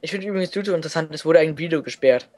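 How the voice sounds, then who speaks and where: A man's voice: a little high, very fast, a little mellow. A man co-commenting a let's play, joking and rambling in casual gaming chat.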